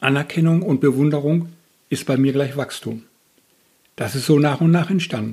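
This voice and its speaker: A somewhat breathy man talks at a fairly high pitch and a moderate pace with ordinary pitch variation. He leaves long, frequent pauses. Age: 50s. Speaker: interviewee sharing personal experience.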